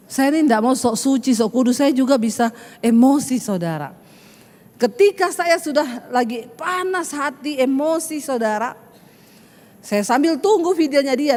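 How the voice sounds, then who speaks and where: Female pastor with a high voice, preaching with feeling to her congregation; long hall echo. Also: darkish tone. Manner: emotional storytelling, addressing the congregation directly. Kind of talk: sermon.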